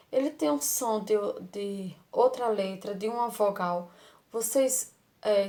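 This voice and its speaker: A woman's voice: fairly high pitch, mellow. A Brazilian woman teaching a lesson to young children, affectionate and patient, repeating words and asking rhetorical questions. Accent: Brazilian Portuguese.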